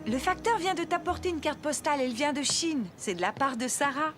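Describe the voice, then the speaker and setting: An actress playing a gentle, caring young mother in a children's cartoon, speaking encouragingly. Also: high voice, lively intonation, brisk, over music. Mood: gentle, helpful. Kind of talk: French-language children's cartoon dialogue.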